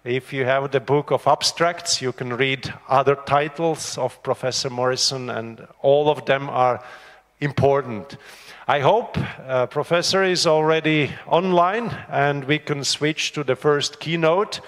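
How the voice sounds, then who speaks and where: Conference host: man, mid pitch, hesitant and halting, long hall reverb. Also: fairly bright tone. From Latvia. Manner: hesitant, many fillers, light humor. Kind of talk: housekeeping announcements and introduction. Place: conference room.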